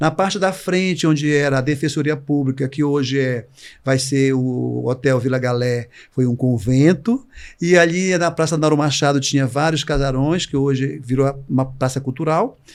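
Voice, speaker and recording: This man has a plain, everyday voice with a fairly high pitch. His pitch varies in an ordinary way, and his pace is moderate. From Brazil, Amapá (Macapá). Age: 60s. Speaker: restaurant entrepreneur. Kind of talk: interview. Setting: studio.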